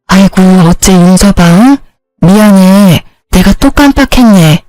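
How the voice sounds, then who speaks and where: A woman voicing a gentle, apologetic older mother who speaks slowly and soothingly. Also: mid-range voice, animated, dry recording, faint music behind, natural voice, poor audio. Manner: soft, slow and soothing.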